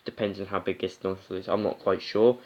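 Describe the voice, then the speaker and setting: A man's voice: sits low, fairly even intonation, a little fast, muffled recording. A man hosting a let's play, chatting casually and reading a visual novel aloud. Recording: music behind the voice. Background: music.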